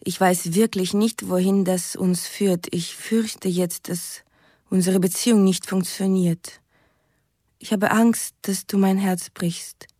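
A woman's voice: medium pitch, steady tone, slow, mellow, no room sound, clean studio sound. An actress playing a sad, fearful sweetheart, reading her letters aloud intimately and mournfully in a German radio drama. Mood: sad, anxious.

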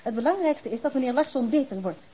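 A woman's voice: high-pitched, lively intonation, quick pace, dark tone. A woman playing a strict, bossy hospital nurse with a scolding manner in a Dutch radio drama. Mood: stern, indignant. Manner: stern, scolding. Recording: hissy old radio drama recording.

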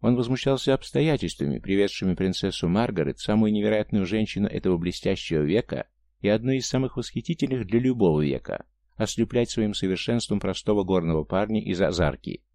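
A man narrating an audiobook in a calm, measured storytelling manner. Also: fairly low pitch, dry recording. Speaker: audiobook reader. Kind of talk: scripted narration.

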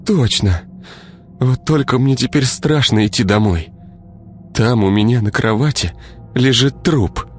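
A man's voice: measured pace, soft background music, natural voice. A male narrator voicing a frightened, furious young woman who sobs and stammers. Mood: shaken. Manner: sobbing, stammering, shrill outbursts.

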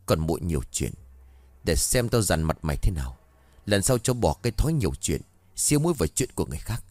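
A man voicing a cruel, hot-tempered middle-aged aunt who scolds in rapid, harsh bursts. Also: fairly low pitch, big pitch swings, darkish tone, dry recording. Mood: muttering.

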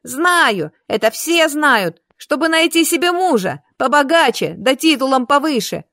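A fiery young witch girl, put on by a woman narrator, hurls her words loud and high, her voice close to breaking. The reading is dry and close to the mic. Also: animated, normal speed, no echo. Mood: furious yelling. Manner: shouting, brash and combative. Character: fiery young redheaded witch student, quick-tempered.

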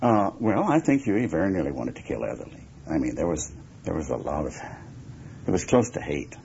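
A man giving reflective interview answers in deliberate, emphatic, measured phrases. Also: a bass voice, sing-song, creaky, a little mellow, husky. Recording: dull lo-fi recording with background noise.

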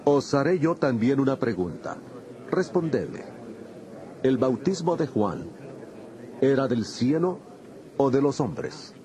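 A man's voice: medium pitch, animated, takes it slowly, pauses often, warm tone. An actor playing Jesus in a dramatized audio Bible, a grave, authoritative male teacher who speaks in a solemn, declamatory way. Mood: firm, challenging. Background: music.

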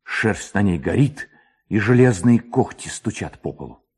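A male narrator reads a literary tale with theatrical suspense. His voice is on the low side and mellow, a little husky, and his intonation ranges very widely. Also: a little slow. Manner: expressive, theatrical, suspenseful storytelling.

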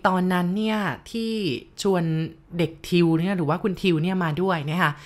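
Brief: woman storyteller, low voice, polite, speaks to the listeners directly. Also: brisk, a little mellow. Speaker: ghost story narrator. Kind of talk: narrated ghost story for listeners.

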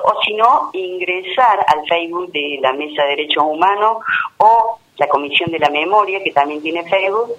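An Argentine woman from a human rights group, calling into a radio show and explaining plans step by step, pausing to find her words. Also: on the low side, bright, forceful tone. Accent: Argentine Spanish. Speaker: human rights group member, phone guest. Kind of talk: casual radio phone interview. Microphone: telephone. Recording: tinny phone line.

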